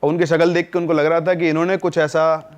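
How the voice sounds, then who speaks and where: A man's voice: on the high side, flat delivery, fast. Man casually telling a horror story. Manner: conversational, acts out quotes, hushed for eerie moments.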